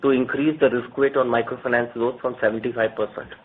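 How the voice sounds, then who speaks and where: A man speaks over a narrow, tinny phone line with light noise. He has an Indian accent and answers as a corporate executive, measured yet hesitant, often repeating words. His pitch sits in the middle. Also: little pitch movement. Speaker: bank executive answering analysts. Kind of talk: earnings call question and answer. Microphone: telephone conference line.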